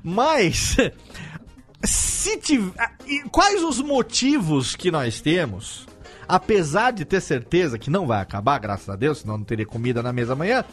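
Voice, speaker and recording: A middle-aged man hosting a podcast in casual panel chat, animated and playful, cutting in with jokes. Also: on the high side, moderate pace, faint music behind. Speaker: podcast host.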